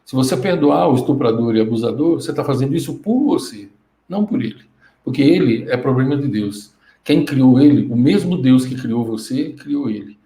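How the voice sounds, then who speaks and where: A man voicing a gentle fatherly God. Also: mid-range voice, animated, normal speed, close to an everyday voice. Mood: reassuring. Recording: roomy echo.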